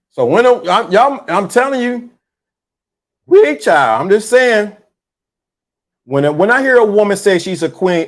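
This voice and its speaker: A man hosting a live stream, talking loosely and repeating himself in slangy, animated casual commentary. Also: sits high.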